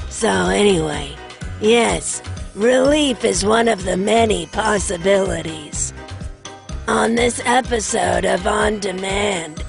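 A woman's voice: medium pitch, creaky. A woman playing a comically medicated announcer, narrating a scripted comedy audio drama. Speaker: show announcer.

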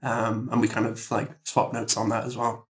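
A man speaking as an interviewed guest in a thoughtful discussion, halting and reflective, often repeating words. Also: mid-range voice, little pitch movement, a little hiss or hum.

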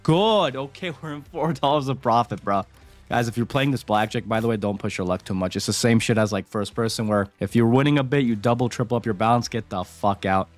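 A man's voice: fairly low pitch, fast, soft background music. A man streaming casino games, talking casually and swearing as he comments straight to his viewers. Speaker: gambling streamer. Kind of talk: casual commentary while playing.

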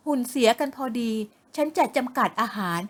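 A woman's voice: high-pitched, lively intonation, a little fast. Woman doing an exasperated worried mother. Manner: loud, exasperated.

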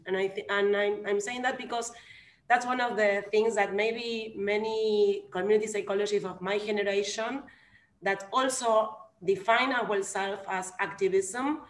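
A woman's voice: medium pitch, reverberant. A young woman from Argentina with an Argentine Spanish accent, speaking English earnestly on a video call from home and searching for words. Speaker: conference participant. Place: room at home.

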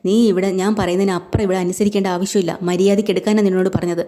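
A woman's voice: mid-range voice, flat delivery, racing, mellow, natural voice. A woman voicing a stern, domineering mother-in-law who scolds and gives orders. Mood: scolding. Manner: scolding, commanding.

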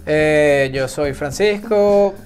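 A man, an interview guest who speaks in a measured, deliberate way. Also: on the high side, darkish tone, faint music behind. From Venezuela. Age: 30s. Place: small office on a sofa.

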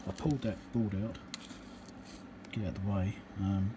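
A noisy hand-held recording in a workshop captures a man with a low-leaning, steady voice at a moderate pace. He's thinking aloud in short fragments while repairing electronics at his workbench, keeping his unscripted commentary casual and matter-of-fact.

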